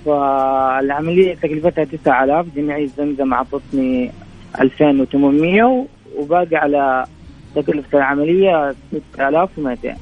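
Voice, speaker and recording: A man calling in to a radio show, sounding distant and quiet, as if holding the phone away, and telling his story haltingly with many fillers. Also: on the high side. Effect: distant, quiet phone line, as if the phone is held away. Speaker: caller. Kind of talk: call-in to a charity radio show. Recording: muffled phone call.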